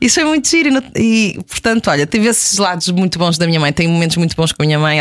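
Her pitch fairly low, a woman talks at a very fast pace with very wide pitch swings. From northern Portugal, Porto / Vila Nova de Gaia. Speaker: actress. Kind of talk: casual chat. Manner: laughs often.

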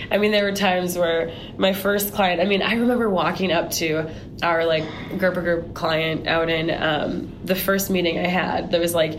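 Over noticeable background noise, a woman with an American accent speaks at a moderate pace in a fairly low pitch, with fairly even intonation and very even loudness. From US Midwest, Wisconsin (Appleton). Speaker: marketing agency founder. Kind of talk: interview. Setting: studio.

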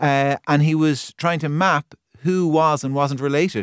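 Here a man speaks with an Irish accent. His pitch is fairly high and his pace moderate. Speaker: radio host. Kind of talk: interview. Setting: studio.

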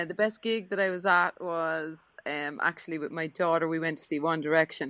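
With an Irish accent, the speaker uses a bright, sharp tone, fairly even intonation and a moderate pace over a quiet background. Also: woman. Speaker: soprano opera singer. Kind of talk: casual radio interview.

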